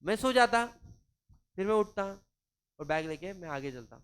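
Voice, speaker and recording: A man's voice: sits high, expressive, moderate pace, a bit bright, clean tone. A man from Maharashtra, teaching law in a chatty, informal lecture, mixing in English and acting out anecdotes. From Maharashtra, India. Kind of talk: casual classroom lecture.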